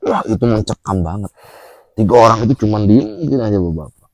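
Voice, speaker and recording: A man recounts a personal experience in a relaxed chat. His voice is lowish and mellow, and it swings widely in pitch. The sound is dry and close. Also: a little fast, no echo. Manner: animated, with frequent filler "ah" and "A", acts out gestures while telling. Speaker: guest telling his experience. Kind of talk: casual storytelling chat.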